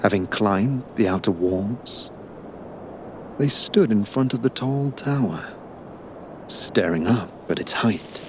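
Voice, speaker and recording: Slow, sinister bedtime storyteller. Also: male voice, lowish voice, animated, background noise. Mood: hushed, ominous. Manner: theatrical, lingering on words, faintly menacing. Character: sinister, silky storyteller lulling a traveler to sleep. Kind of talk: hypnotic storybook narration in audio drama.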